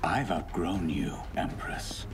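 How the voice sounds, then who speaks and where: An actor playing a proud, power-hungry young rebel sorcerer in a video game, speaking formally and deliberately. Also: male voice, low voice. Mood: proud, defiant. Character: defiant, ambitious rebel son-figure turned power-hungry sorcerer. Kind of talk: dramatic video game cutscene acting. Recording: game audio heard distantly, music behind.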